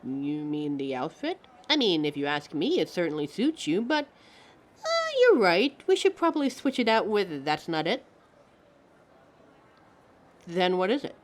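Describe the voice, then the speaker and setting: Living mannequin, female woman acting: pompous fashion expert, lowish pitch, affected roleplay delivery, noisy home recording. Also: wildly swooping pitch, measured pace, pauses often. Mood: patient, instructive. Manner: pompous, affected, instructive, calls listener darling. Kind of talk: scripted roleplay audio addressed to the listener.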